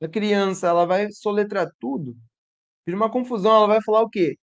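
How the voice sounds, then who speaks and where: A man teaching a literacy lesson who sounds out letters and syllables slowly and asks his audience rhetorical questions. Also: high-pitched. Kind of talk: teaching lesson to educators and parents.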